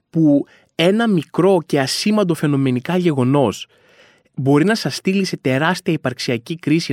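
A man's voice: a little high, dry recording, studio quality. A man hosting a comedic podcast monologue, rambling through exaggerated, self-mocking rants full of colloquial asides and restarts. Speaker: podcast host.

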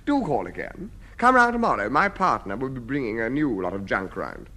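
A man's voice: mid-range voice, very animated, brisk, pushed and bright, full character voice. An actor playing a sly, wheedling male junk dealer in a 1950s radio comedy, with a salesman's patter.

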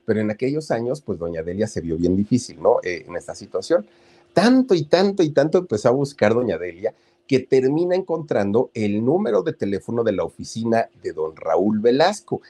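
Lively Mexican man telling a story. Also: mid-range voice, brisk. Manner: chatty, addresses listeners with asides and tag questions. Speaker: storyteller host. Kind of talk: casual storytelling to viewers.

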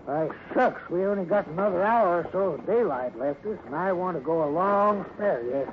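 An old recording with muffled sound and faint noise carries a crusty old hobo. He has a fairly high voice and a folksy rural American drawl, gruff on the surface and kindly underneath, in the manner of 1950s radio adventure. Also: lively intonation. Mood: gruff, impatient. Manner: folksy, scolding, drawn-out sighs and exclamations. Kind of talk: 1950s radio drama acting.

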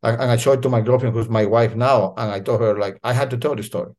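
A man's voice: medium pitch, steady tone, fast, a little mellow. A man, talking in a casual, earnest way and often repeating words as he searches for them. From Latin America. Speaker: storyteller guest. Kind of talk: casual conversation.

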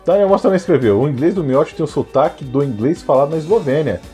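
Fast, animated Brazilian man joking around. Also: a little high, soft background music. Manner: slangy, joking. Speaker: podcast co-host. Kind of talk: casual chat, reading listener emails.

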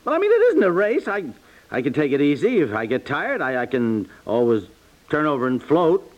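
An actor playing a stubborn, stammering husband with wounded pride in a 1950s radio comedy. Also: male voice, a little high, huge pitch swings, fairly quick. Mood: indignant, stubborn. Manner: stammering, exasperated. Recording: muffled vintage 1950s radio recording.

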